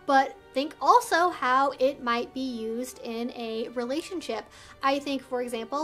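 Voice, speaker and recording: A woman's voice: high voice, fairly bright tone. A woman hosting an educational explainer video, speaking in an articulate, earnest, explanatory way. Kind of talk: explainer video to camera, semi-scripted.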